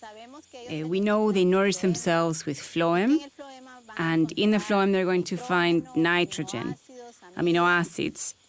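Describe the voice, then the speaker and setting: A woman voices a translated documentary interview. Her pitch sits a little low, and she explains things step by step. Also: takes it slowly. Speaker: voice-over translator of an interviewed researcher.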